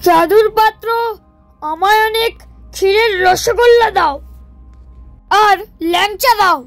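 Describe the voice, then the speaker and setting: A woman's voice: extremely high pitch, unhurried, no echo, faint music behind. A woman voicing a greedy, sly younger brother in a cartoon moral story, talking in an exaggerated way. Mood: sneaky, gloating. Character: scheming, greedy younger brother, a village husband and thief.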